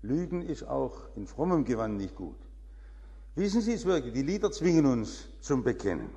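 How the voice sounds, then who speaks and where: A man preaching a sermon in slow, emphatic phrases with dramatic swings in pitch. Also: sing-song, warm tone, breathy edge. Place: church. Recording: long church reverb.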